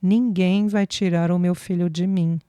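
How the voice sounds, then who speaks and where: A young, emotional mother, defensive and pleading, as a woman narrator voices her. Her words come slowly in a dark, mellow tone. It is an audiobook dialogue role. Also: lowish voice, steady tone, dry recording, clean studio sound, lightly acted.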